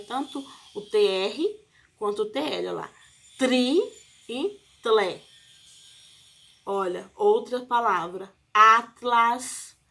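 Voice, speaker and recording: A Brazilian woman teaches a spelling lesson at an unhurried pace, her voice sitting at an ordinary middle pitch. She leans on each example word, stretching it out patiently for her pupils. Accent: Brazilian Portuguese. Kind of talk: recorded classroom lesson.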